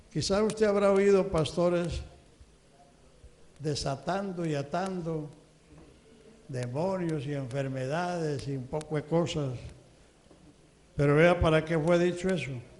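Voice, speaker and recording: Amid noticeable background noise and audible room echo, a man with a fairly high pitch and ordinary pitch variation speaks at a fairly slow pace, leaving long, frequent pauses. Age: 80s+. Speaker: preacher. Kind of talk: Sunday school Bible teaching. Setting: church.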